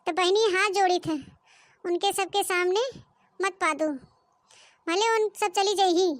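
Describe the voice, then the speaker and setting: A woman voicing a sharp-tongued old village mother-in-law in a comic cartoon, speaking with an Awadhi accent and scolding in loud exclamations. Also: very high-pitched, fairly even intonation, a little slow, no echo, studio quality. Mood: pleading.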